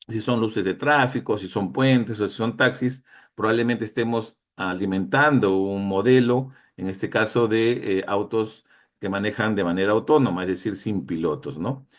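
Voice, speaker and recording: A man with a fairly low voice delivers a conference lecture. He speaks hesitantly, with frequent fillers and restarted phrases.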